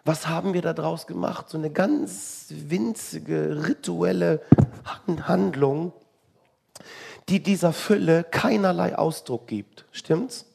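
Gravelly-voiced man preaching casually. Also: a little high, slow pace, a little mellow. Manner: conversational, wry preaching with rhetorical questions. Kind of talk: sermon.

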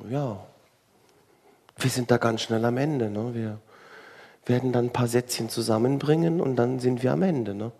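A man's voice: medium pitch, moderate pace, long pauses, a little mellow. A man preaching a sermon in a conversational way, full of rhetorical questions and wry asides.

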